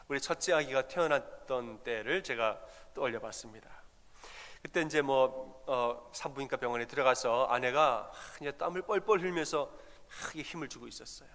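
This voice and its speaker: A man's voice: medium pitch, moderate pace, fairly bright tone. A male pastor preaching a sermon in a conversational storytelling manner, asking the congregation questions as he goes. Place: church sanctuary. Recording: long reverb of a church hall.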